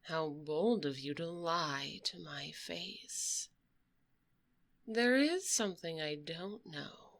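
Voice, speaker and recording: A woman acts out a sassy dragoness who collects debts for the mob in an ASMR roleplay. She speaks low and unhurriedly, close and soft on a binaural microphone. Her manner is cool, condescending and quietly threatening, drawing out each taunt. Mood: menacing, taunting.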